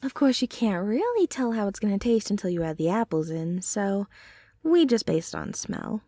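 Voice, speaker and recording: A woman playing a gentle, affectionate young centaur girlfriend in an ASMR roleplay, speaking softly and tenderly in an unhurried ramble. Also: mid-range voice, very animated, no room sound. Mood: gentle, instructive.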